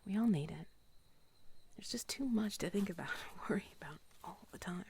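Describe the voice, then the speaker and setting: A woman playing an affectionate, playful companion on a moonlit walk in an intimate whispered role-play, with a soft, breathy voice. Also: on the low side, animated, normal speed, slight background noise. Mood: gentle, reflective.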